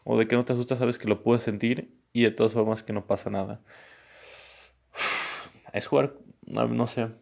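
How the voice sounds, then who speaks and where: A man's voice: mid-range voice, fairly even intonation, normal speed, gravelly, pauses often. A man hosting a casual solo podcast, talking in an easygoing, rambling, encouraging way. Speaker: podcast host. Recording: dull lo-fi sound.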